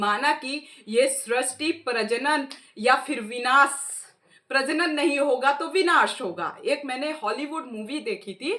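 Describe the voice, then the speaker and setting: Raised and projected, a woman's high-pitched voice comes through with an animated tone. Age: 30s. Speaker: video blogger on social issues. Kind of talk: opinion monologue.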